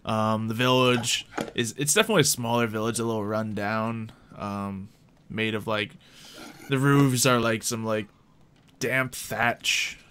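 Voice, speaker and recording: A man acting as game master, improvising tabletop roleplay narration in an informal, halting, conversational way. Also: on the low side, bright, forceful tone, a little hiss or hum.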